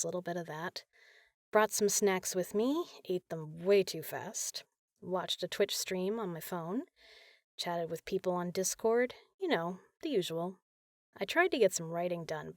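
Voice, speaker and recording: A woman playing a caring, teasing big sister in an intimate comfort roleplay, talking softly and casually. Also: fairly low pitch, no echo, clean studio sound. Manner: soft, soothing, casual, playful.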